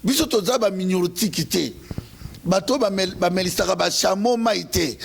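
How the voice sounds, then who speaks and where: Congolese man, political commentator, high gravelly voice, raspy, impassioned speechmaking. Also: moderate pace, slight background noise.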